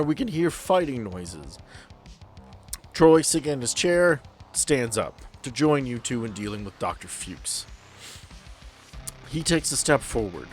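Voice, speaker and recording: A man acting as game master, narrating a tabletop game in a casual, descriptive, slangy way. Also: lowish voice.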